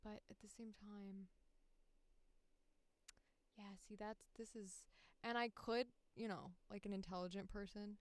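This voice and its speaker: A woman chats casually as the host of a livestream. Her voice is exceptionally clear and smooth, recorded very dry and close. She speaks at an unhurried pace, with a joking, self-deprecating manner. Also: mid-range voice, no room sound.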